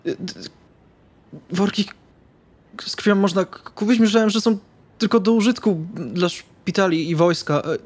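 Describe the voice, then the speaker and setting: A man's voice: sits high, normal speed, long pauses. A man playing an anxious, flustered novice vampire in a tabletop game, stammering and hesitant.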